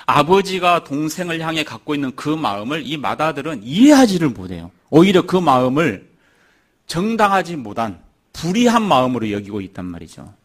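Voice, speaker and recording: A man's voice: fairly high pitch, very animated, normal speed. A man preaching a sermon, telling a Bible story and acting out the characters' lines. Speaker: pastor.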